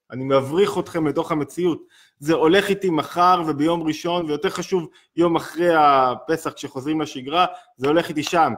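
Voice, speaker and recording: A middle-aged man, giving an animated spoken lesson on Hasidic thought that rises and falls as he teaches. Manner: animated, rising and falling in pitch and loudness.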